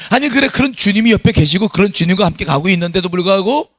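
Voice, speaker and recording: A man's voice: high-pitched, dry recording, clean studio sound. A middle-aged man preaching a sermon as pastor, reading scripture aloud with his congregation and chuckling at his own past.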